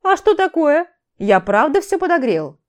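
A high, loud male vampire teacher who bursts into indignant protests, his voice jumping up in pitch with every objection, as a woman reads him in a storybook audiobook. He sounds mellow in tone but never quiet. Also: expressive, a little slow, close to an everyday voice.

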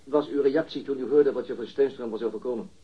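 A man's voice: mid-range voice, quick pace, lightly acted. An actor in a radio drama playing a stern male interrogator with a curt, cold manner. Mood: stern, dismissive. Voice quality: husky. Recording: dull, lo-fi radio sound.

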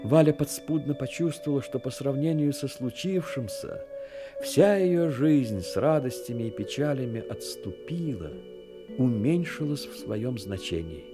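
A man narrating a Soviet war radio drama in a dramatic, measured literary storytelling manner. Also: medium pitch, lively intonation, music in the background.

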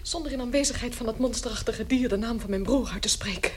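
An actress playing a desperate young sister in a radio play, earnest and distressed. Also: female voice, on the high side, fast, close to an everyday voice. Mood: grave, resolute. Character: desperate, hardened young sister pleading with her parents.

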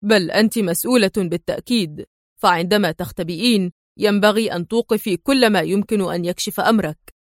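A woman voicing a stern, sharp-witted Arab agent man who talks in a curt, firm way. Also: high voice, fairly quick, no room sound, studio quality.

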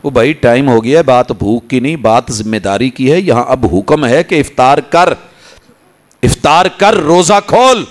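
Impassioned Punjabi-accented male preacher. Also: lively intonation. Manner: impassioned, rising to emphatic peaks then dropping to low asides. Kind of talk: Quran lesson sermon. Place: mosque.

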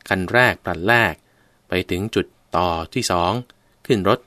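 A man's voice: low-pitched, moderate pace, bright, forceful tone, no echo. A man giving a radio Dharma talk, explaining patiently and step by step, repeating phrases and speaking directly to his listeners. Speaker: Buddhist radio teacher.

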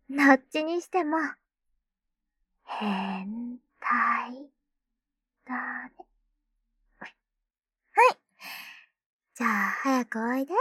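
A woman's voice: sits high, fairly bright tone, breathy edge, no room sound, full character voice. A woman voicing a playful, doting schoolgirl little sister who teases her older brother in close, whispered ASMR roleplay. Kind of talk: ASMR roleplay with ear cleaning.

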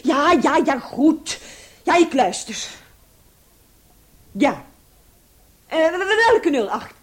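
An indignant lady of the house in a radio play, questioning and exclaiming. Her high voice swings widely in pitch and takes its time. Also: big pitch swings, takes it slowly, full character voice. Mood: indignant, suspicious. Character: indignant woman flat owner confronting burglars.

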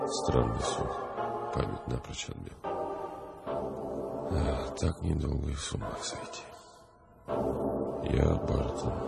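An actor playing a gruff, distraught lone colonist stranded on Mars in a radio drama, muttering haltingly to himself. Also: male voice, rumbling low, full character voice. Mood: confused, then bitter. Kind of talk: Russian radio drama acting. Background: music.

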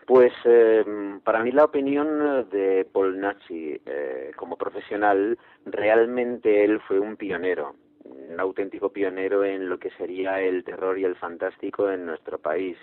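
Man, earnest and halting, lowish voice, dry phone-line sound. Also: dry recording. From Spain. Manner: hesitant, many filler sounds, earnest. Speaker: actor interviewed as guest. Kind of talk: phone interview.

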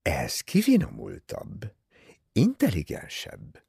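A man reading aloud, voicing a calm, shrewd older detective who speaks quietly and thoughtfully. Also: on the low side, creaky, husky, dry recording, clean studio sound, heavily acted. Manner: quiet, measured and musing.

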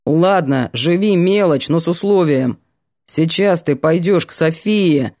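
A woman voicing a gruff, irritable young male student who speaks curtly. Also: low voice, measured pace, darkish tone, dry recording, studio quality. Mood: threatening. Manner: curt and growling.

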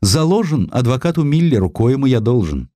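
A man's voice: medium pitch, big pitch swings, brisk, dark tone, no room sound, clean studio sound, voice pushed up, close to an everyday voice. A man voicing an evasive, debt-ridden printer in an audiobook, speaking in a hesitant, plaintive whine. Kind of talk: audiobook character acting.

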